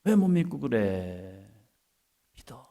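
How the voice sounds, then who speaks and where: A male pastor preaching, acting out scripture dialogue in a slow, drawn-out, homey voice. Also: medium pitch, sing-song, warm tone. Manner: dramatizing God's words in a slow, drawn-out homey voice. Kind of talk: sermon.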